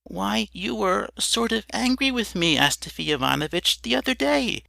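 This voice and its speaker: A man's voice: high voice, lively intonation, moderate pace, creaky, sharp tone, dry recording, voice pushed up, exaggerated voice. A man voicing a meek, poor drunken man who speaks timidly and plaintively. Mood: pleading.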